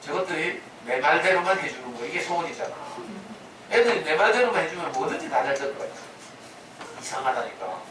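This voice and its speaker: In a noisy, echoey lecture room, recorded from a distance, a man with a fairly high voice speaks briskly with big swings in pitch. He lectures a parenting humanities class conversationally, telling stories in a sermon-like way, asking rhetorical questions and acting out quotes.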